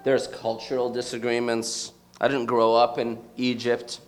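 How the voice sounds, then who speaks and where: Speaking before a live crowd, a U.S. man in his thirties shares a personal talk in a middle-pitched voice. His delivery is flat and measured in pace, reflective, with frequent pauses as he searches for words.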